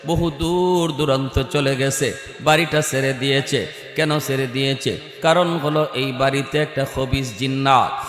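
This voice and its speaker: A male preacher, telling a story in a melodic, sing-song chant that swells high. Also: fairly bright tone. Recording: echoey hall with faint music.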